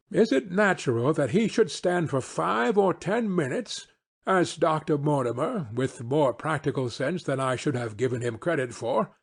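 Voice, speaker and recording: A man's voice: fairly high pitch, gravelly, husky, exaggerated voice. A man reading an audiobook as a keen, analytical detective, courteous, with a precise, questioning delivery.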